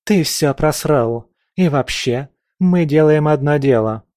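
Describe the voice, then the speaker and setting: A man's voice: mid-range voice, a little slow, no echo, studio quality, voice pushed up, natural voice. A man voicing a haughty, scornful young princess who mocks and barks orders. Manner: mocking, imperious, shouting.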